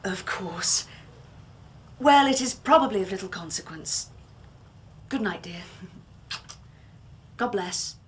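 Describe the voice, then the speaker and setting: An actress playing a frightened young woman who speaks softly and gently to her twin sister. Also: mid-range voice, expressive, takes it slowly, long pauses. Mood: uneasy. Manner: soft and gentle, then shrieking in anguish. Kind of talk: radio drama acting.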